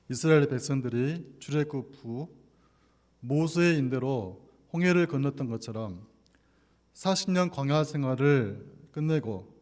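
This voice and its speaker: A man's voice: medium pitch, darkish tone. A man preaching as a pastor at a church service, speaking from the pulpit in an echoey hall. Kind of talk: sermon with scripture reading and prayer. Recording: echoey hall with long reverb.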